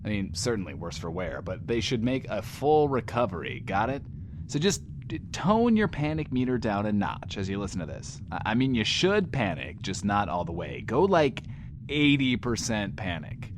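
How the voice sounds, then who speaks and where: An actor playing a flamboyant, self-absorbed young radio DJ in a post-apocalyptic audio drama, with a showy, hammy delivery. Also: male voice, lowish voice, big pitch swings, moderate pace, background noise. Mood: nervous, cautioning. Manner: showy, hammy, talks about himself in third person, dramatic swings. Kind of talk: in-world radio show monologue in audio drama.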